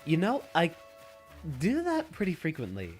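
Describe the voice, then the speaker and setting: A man's voice: on the high side, huge pitch swings, moderate pace, faint music behind. A man streaming a video game with a stuffy, slightly nasal nose, musing aloud in an easygoing way and answering viewers' questions.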